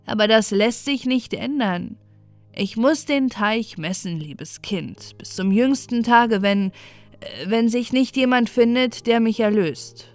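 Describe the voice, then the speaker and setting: A woman's voice: fairly high pitch, slow, darkish tone, soft background music. A woman voicing a tiny enchanted male pond dwarf in an earnest, sing-song storybook manner. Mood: hopeless.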